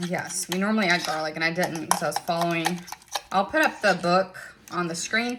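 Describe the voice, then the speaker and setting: A woman's fairly low voice at a fairly quick pace, with ordinary pitch variation and noticeable background noise. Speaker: cooking channel host. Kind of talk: cooking tutorial. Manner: casual, chatty.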